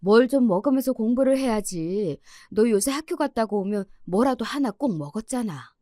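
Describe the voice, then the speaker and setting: A woman voicing a patient middle-aged mother who talks softly and coaxingly. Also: fairly high pitch, lively intonation, moderate pace, dry recording, clean studio sound, close to an everyday voice. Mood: coaxing gentle. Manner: soft, coaxing, caring.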